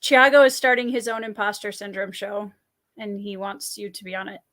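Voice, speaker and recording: A woman hosting a casual book chat on a live stream, friendly and quick to laugh. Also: medium pitch, fairly bright tone. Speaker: host.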